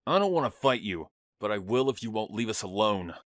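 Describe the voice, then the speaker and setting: A man's voice: on the low side, sing-song, brisk. Man acting a menacing, confrontational boyfriend. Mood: threatening. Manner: confrontational, threatening. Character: menacing, possessive tall boyfriend, easily riled. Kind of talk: audio drama voice acting.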